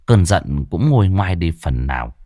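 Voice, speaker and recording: A man narrating a spooky folk story with expressive delivery. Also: low-pitched, moderate pace, dry recording, clean studio sound.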